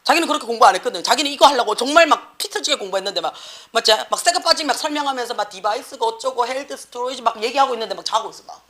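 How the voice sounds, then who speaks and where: A woman's voice: fairly high pitch, lively intonation, rapid-fire, hardly any pauses, a bit bright. A middle-aged woman with a Gyeongsang accent, an academy teacher lecturing and scolding students in a blunt, slangy way. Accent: Gyeongsang Korean.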